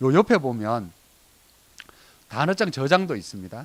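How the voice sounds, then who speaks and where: Pitched at a medium level, a man's voice moves at a moderate pace with very wide pitch swings. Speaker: education lecturer. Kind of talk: lecture to parents.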